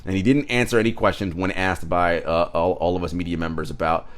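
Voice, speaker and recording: A deep-voiced man co-hosting a sports podcast in relaxed, conversational chat. He breaks in often with affirming murmurs and light laughs. It sounds like a remote virtual recording. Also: a little fast. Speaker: sports podcast co-host and Nets reporter. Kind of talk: casual sports talk.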